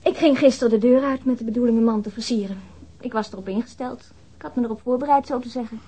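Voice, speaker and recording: A woman's voice: on the high side, quick pace, dark tone, husky, dull audio. An actress in a radio drama playing a frank, flirtatious woman witness who speaks in a hesitant yet candid, matter-of-fact way. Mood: frank, insistent. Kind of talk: radio drama acting, naturalistic dialogue.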